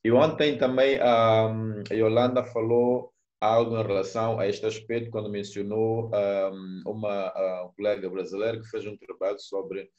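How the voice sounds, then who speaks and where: A man moderating a live online discussion, agreeing with the guest and pausing as he restarts his phrases. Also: fairly low pitch, little pitch movement, a little mellow, lo-fi sound. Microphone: video call mic.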